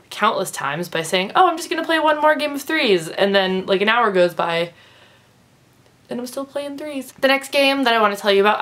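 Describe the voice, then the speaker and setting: A woman's voice: mid-range voice, a bit bright. A woman in her twenties with a stuffed-up nose, chatting casually and rambling through her monthly favorites. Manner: chatty, rambling, with fillers and laughs. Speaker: vlogger.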